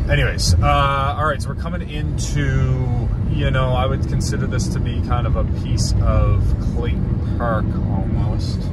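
Through loud background noise, a man speaks at a fairly slow pace with ordinary pitch variation in a dry sound with no echo. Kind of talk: casual driving commentary. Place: car. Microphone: phone near.

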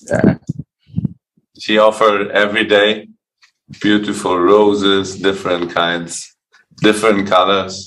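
A man with a German accent speaks at a fairly low pitch in a monotone, flat intonation. His pace is fairly slow, with long, frequent pauses and light background noise. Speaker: devotee. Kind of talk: religious discussion. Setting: video call. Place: home room. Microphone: video call.

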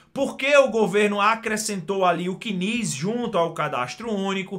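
Faint music plays behind a man with a high pitch who speaks at a fairly slow pace in an animated tone with ordinary pitch variation. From Brazil. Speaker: YouTuber and lawyer explaining welfare benefits; YouTuber, lawyer explaining welfare benefits. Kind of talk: explainer video monologue. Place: home room.

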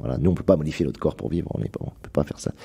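Vocal fry runs through this man's speech. The tone is dark and mellow. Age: 50s. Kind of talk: panel discussion. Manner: repeats words, halting starts.

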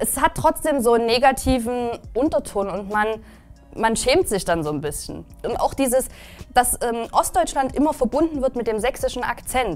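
Very wide pitch swings at a moderate pace, with faint music in the background. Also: woman. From Saxony, Germany. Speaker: video host. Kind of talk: casual talk to camera, reaction video. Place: studio. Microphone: lapel.

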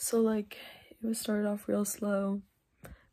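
This quiet voice has a dark, mellow tone and a moderate pace. Its intonation is monotone and flat. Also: woman. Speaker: vlogger. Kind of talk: casual vlog chat. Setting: at home at night, thin walls. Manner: hushed, trying to be quiet. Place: home room. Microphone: phone near.

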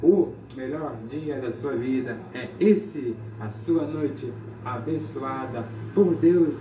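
Amid light background noise and audible room echo, a man speaks at a very slow pace with lively intonation and big swings in loudness. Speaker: radio announcer / live host. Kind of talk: live radio announcer promo. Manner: upbeat, motivational. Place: shop.

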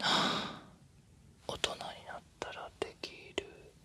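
A soft-spoken man whispers at a very slow pace, his loudness swinging widely. Noticeable background noise runs underneath. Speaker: quiz show host. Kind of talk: ASMR quiz commentary. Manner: soft ASMR whisper, teasing quiz line. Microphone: studio mic.

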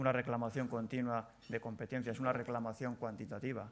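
A man speaks at a medium pitch. His pace is fairly quick. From Basque Country (Biscay). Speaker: politician, provincial government candidate. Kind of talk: campaign speech at a forum. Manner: hesitant, frequent fillers and repetitions. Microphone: podium.

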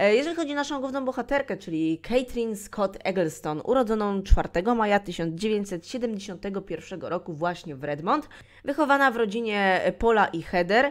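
A woman's medium-pitched voice in very wide pitch swings, at a fairly slow pace with hardly any pauses, on a very clean recording with a silent background. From Poland. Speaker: true crime podcaster. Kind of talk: true crime storytelling. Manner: casual, conversational.

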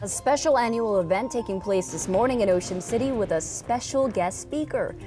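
Background music plays throughout. Over it, a woman speaks at a fairly quick pace. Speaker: news anchor. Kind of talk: TV news anchor read.

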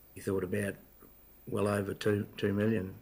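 A man's somewhat breathy, fairly low, monotone, flat voice at a moderate pace, in a rural Australian accent. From western Queensland, Australia. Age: 60s. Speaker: cattle farmer; witness. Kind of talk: testimony; testimony answers. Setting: courtroom. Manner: halting. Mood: calm, plain, slightly hesitant. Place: hall. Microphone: podium.

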